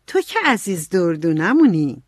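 A woman's voice: fairly low pitch, very animated, no echo, clean studio sound. A sensible eldest sister, as a woman acts her out, lecturing her siblings in a motherly way. Her voice sits a little above the narrator's and rises and falls freely. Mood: reproving.

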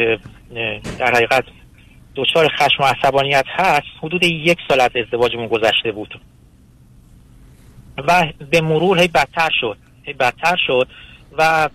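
A man calling in to a radio counseling show, speaking hesitantly with pauses and fillers. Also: mid-range voice, pushed and bright, no room sound, rough recording. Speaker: caller. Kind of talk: phone-in consultation.

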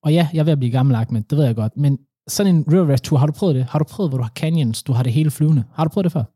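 A young man co-hosting a casual chat, telling animated stories with slang. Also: a little high, husky, no echo, clean studio sound.

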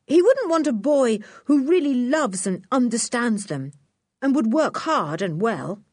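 Lady reading as a proper earnest schoolboy, polite, bit breathy, lively lilt. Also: a little high, measured pace, no room sound, clean studio sound, voice pushed up. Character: sensible well-spoken schoolboy, leader of the children.

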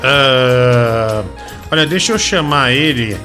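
A man's voice: medium pitch, slow pace, loud music behind the voice. A man hosting a call-in comedy show, teasing and laughing as he cuts callers off. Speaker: radio comedy host.

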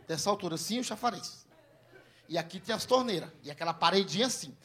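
High, bright-voiced Ceará comedian telling crude stories. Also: male voice, quick pace. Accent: Northeastern Brazilian, from Ceará. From Ceará, Brazil. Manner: crude, animated storyteller who acts out dialogue. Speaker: stand-up comedian. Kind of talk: stand-up comedy storytelling. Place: comedy stage in front of a live audience.

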